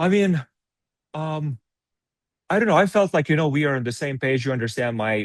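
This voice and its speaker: Lively in intonation, a man with a Lithuanian accent speaks at a moderate pace over a quiet background, the sound dry and close with no echo. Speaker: tattoo artist and agency client. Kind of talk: interview. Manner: halting.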